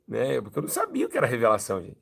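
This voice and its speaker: A young Brazilian man, a pastor, giving a lively church testimony and acting out the dialogue as he tells it. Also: mid-range voice, rapid-fire, vocal fry, husky. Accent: Brazilian Portuguese. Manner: animated storytelling, acting out dialogue.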